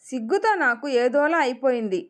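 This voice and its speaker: A woman voicing a bashful, caring young wife in a read-aloud family story, speaking gently in a high voice. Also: lively intonation, fairly quick. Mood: gentle.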